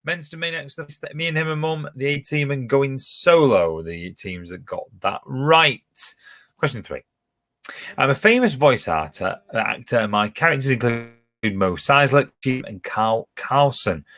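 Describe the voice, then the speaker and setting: A man's voice: medium pitch, a little slow, fairly bright tone. A man hosting a pub quiz from home, chatting casually as he reads out questions, answer options and team scores. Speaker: quiz host.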